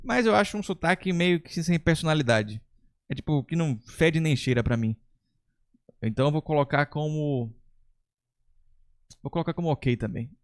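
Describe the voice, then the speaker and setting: A man who teaches English, talking through a ranking in a relaxed, chatty way with occasional slang. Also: on the high side, normal speed, long pauses, smooth, no echo, studio quality. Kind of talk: casual tier-list commentary.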